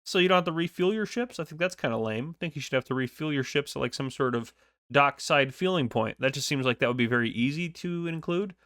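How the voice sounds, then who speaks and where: A man's voice: a little high, expressive, fast talker, a bit bright, no room sound, clean studio sound. A man with a congested, stuffy voice from a cold, chatting casually with many ums as the host of a gaming channel. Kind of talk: casual game news commentary.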